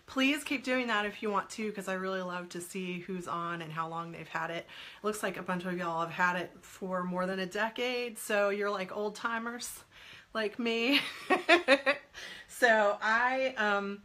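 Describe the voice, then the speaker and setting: A woman in her forties with a stuffy head cold appears as a guest on a live stream, chatting casually and answering comments. Her medium-pitched voice is sharp, fairly even and measured, and she laughs often while greeting viewers by name.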